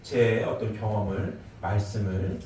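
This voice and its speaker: A man's voice: on the low side, fairly even intonation, measured pace, crowd noise. A middle-aged man preaching a sermon emphatically, often asking his congregation questions and tagging "eh?". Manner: emphatic, asks the congregation questions, frequent "eh?" tags. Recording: echoey hall with faint ambience.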